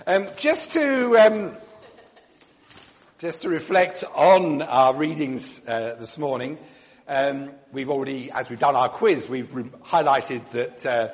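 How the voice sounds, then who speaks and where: A man leading a church service, delivering a measured reflection and blessing with frequent ums, his voice carrying in a long churchlike reverb. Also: medium pitch.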